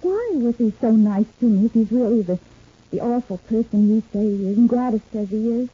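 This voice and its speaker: An anxious, gentle young woman in an old radio serial. She speaks earnestly and pleadingly in a slightly high, husky voice, on a narrow phone-like recording. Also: fairly quick. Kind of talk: vintage radio soap opera acting.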